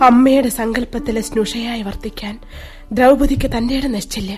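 A woman voicing a grieving young royal wife in a radio play, pleading and earnest. Her high voice is mellow and soft-edged, with a Malayali accent and faint music underneath. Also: fairly even intonation, brisk, natural voice. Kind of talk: 1970s-style radio drama acting.

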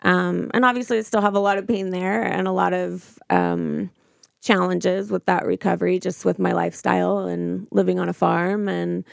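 A woman telling a personal account as an interview guest, speaking informally and haltingly, often restarting her sentences. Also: lowish voice, gravelly, no echo.

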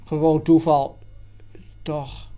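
A man reading aloud and voicing Stoefzaand, an adult man who is a skeptical, quick-tempered friend with a blunt manner. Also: a little high, level tone, mellow.

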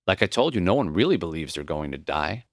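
A man reading the lines of a gentle, reflective old dying professor in a memoir audiobook, earnest and plain-spoken. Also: low voice, big pitch swings, fast, dry recording, clean studio sound, voice pushed down.

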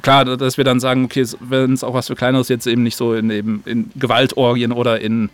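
A man from Germany with a mid-pitched voice speaks as a guest in a relaxed interview. His talk is colloquial and rambles loosely from one thought to the next. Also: quick pace. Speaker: audio drama maker, interview guest. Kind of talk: casual chat.

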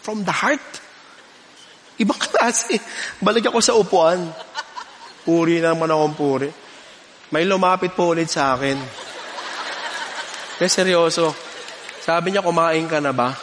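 A high-voiced man preaches a sermon, telling a story from his own life in an animated way. He laughs often as he speaks. His voice rings out through a large hall that carries a long reverb. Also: measured pace, long pauses, slight background noise.

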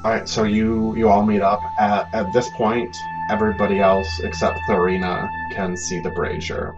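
A man working as game master, narrating a tabletop game in a halting, conversational way with many asides. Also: lowish voice, level tone. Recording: dull, muffled sound under prominent music.

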